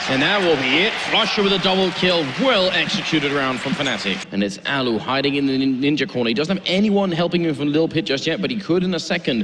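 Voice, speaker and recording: Over loud background noise, a man shouts in an excited tone at a fairly quick pace, his high voice making very wide pitch swings. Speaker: esports commentator. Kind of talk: live esports commentary. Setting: stage with live crowd. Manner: fast, excited play-by-play that builds to a shout at the decisive rounds. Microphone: headset.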